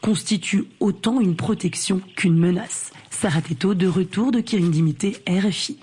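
A woman reporter giving a measured, scripted news narration. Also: medium pitch, slight background noise. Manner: measured, even delivery.

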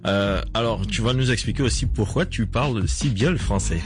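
A man's voice: fairly low pitch, normal speed. Friendly male radio host. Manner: friendly, encouraging, finishes the guest's sentences. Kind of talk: radio interview.

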